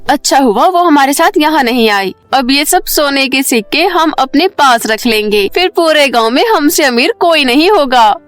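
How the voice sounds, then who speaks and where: Woman as high-voiced greedy village girl Sapna. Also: expressive, normal speed, hardly any pauses, no room sound, soft background music. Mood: eager.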